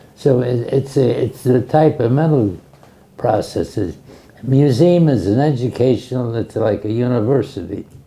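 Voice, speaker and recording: A man with a Chicago accent talks at a moderate pace, his medium pitch showing ordinary variation. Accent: Chicago American English. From US Midwest, Chicago. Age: 80s+. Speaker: museum director. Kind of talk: interview.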